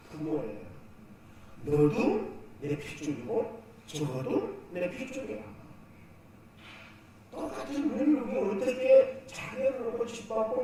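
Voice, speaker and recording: A man preaching a Sunday sermon as pastor, asking the congregation questions and answering them himself. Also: on the high side. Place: church sanctuary. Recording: echoey church hall, distant mic, faint noise.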